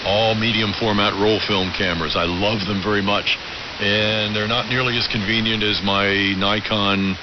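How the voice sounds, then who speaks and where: A man's voice: on the low side, highs cut off. An articulate middle-aged man who talks in long, reflective, conversational transmissions as an amateur radio operator on AM. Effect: AM ham radio transmission. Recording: band-limited AM radio with loud hiss. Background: radio hiss.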